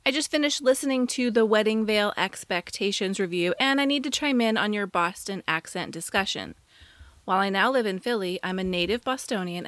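A woman with a bright, forward voice of medium pitch co-hosts a podcast. She talks casually and conversationally, leaning on words for emphasis. The sound is close and dry, with no room around it. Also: no room sound. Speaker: podcast co-host. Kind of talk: casual chat, reading listener email aloud.

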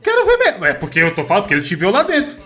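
A Brazilian man cuts in with fast, bright jokes during a casual chat. His high voice jumps widely in pitch. Faint music plays behind him. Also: huge pitch swings.

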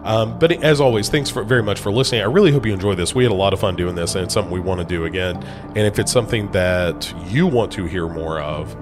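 A man's voice: sits low, quick pace, over music. A man from the United States hosting a podcast, a bit congested from a cold, talking casually with lots of ums and restarts. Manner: rambling, many fillers and restarts. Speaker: podcast host.

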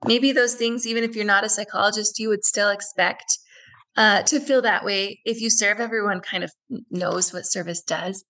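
A woman's voice: mid-range voice, steady tone, moderate pace, pushed and bright, poor audio. A woman guest in a radio interview who tells a personal story earnestly and reflectively, often repeating phrases.

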